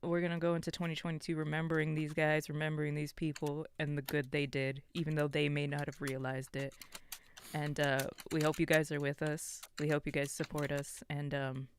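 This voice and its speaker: A woman's voice: sits low, level tone, fairly quick, a little hiss or hum. A woman co-hosting a podcast in casual, unscripted talk. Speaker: podcast co-host.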